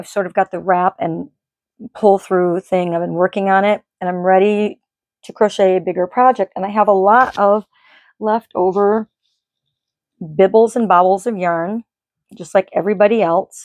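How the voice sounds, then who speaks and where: Speaking at a moderate pace and medium pitch, a woman leaves long, frequent pauses and keeps her intonation fairly even. The sound is dry and close, with no echo. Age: 50s. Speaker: knitting podcaster. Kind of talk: casual chat. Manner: rambling with frequent fillers.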